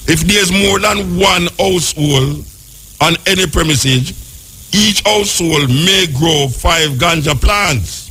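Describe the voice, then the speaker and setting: A Jamaican radio host reading a legal text aloud and breaking off into joking patois comments on it. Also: male voice, fairly high pitch, slow pace, pushed and bright, breathy edge.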